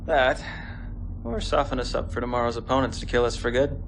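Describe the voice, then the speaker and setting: A man playing a cocky, rebellious young cadet hacker in a video game cutscene, with a gravelly, flippant delivery. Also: mid-range voice, fairly even intonation, brisk, noisy background, natural voice. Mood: wry, confident. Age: young adult. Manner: flippant, boastful.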